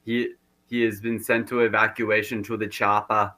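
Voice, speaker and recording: A man playing a malfunctioning male cyborg assistant who stutters and repeats syllables like a rusty robot, in a stiff deadpan monotone. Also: on the low side, moderate pace, voice pushed up. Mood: robotic. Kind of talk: comedy sketch role-play.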